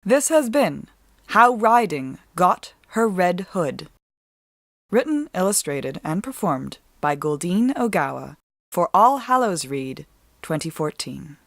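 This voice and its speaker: A woman narrating a story as a dramatic reading, with deliberate, expressive storytelling. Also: lowish voice, no echo, studio quality. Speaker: author and storyteller.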